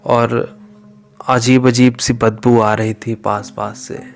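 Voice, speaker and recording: A man slowly telling a true horror story, his voice sinking to a whisper at tense moments. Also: medium pitch, little pitch movement, gravelly. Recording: faint music behind.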